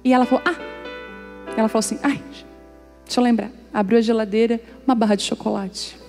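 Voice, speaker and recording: A woman's voice: on the high side, fairly even intonation, quick pace, darkish tone, long reverb tail, soft background music. A middle-aged woman pastor, preaching and telling personal stories, acting out dialogue and joking with the congregation. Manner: storytelling, acts out dialogue, jokes with congregation.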